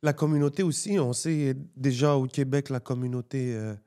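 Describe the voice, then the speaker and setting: A man, co-hosting a podcast and asking halting questions that repeat words and slip into English. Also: mid-range voice, fairly even intonation, warm tone. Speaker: podcast co-host. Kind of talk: casual interview questions.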